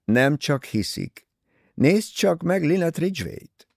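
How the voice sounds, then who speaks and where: A man voicing a teasing, easygoing young English gentleman talking with his mother in an audiobook. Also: fairly high pitch, sing-song, creaky, no room sound, studio quality, pitched above the performer's own voice, heavily acted. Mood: wry teasing. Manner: wry, teasing.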